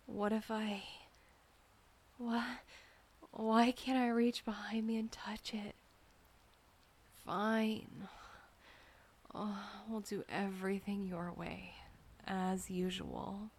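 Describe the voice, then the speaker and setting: Slow, breathy whispering young woman. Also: mid-range voice, fairly even intonation.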